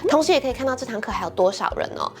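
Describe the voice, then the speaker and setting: Woman from Taiwan, quick sponsor read over soft music, friendly tone. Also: on the high side, animated. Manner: friendly, upbeat explaining. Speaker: English-learning YouTuber.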